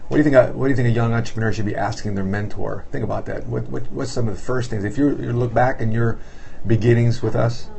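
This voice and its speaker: A man's voice: medium pitch, steady tone, quick pace, gravelly, dark tone, slight background noise. A man hosting a casual motivational livestream from his office, upbeat and greeting viewers by name between questions. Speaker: host of a livestream.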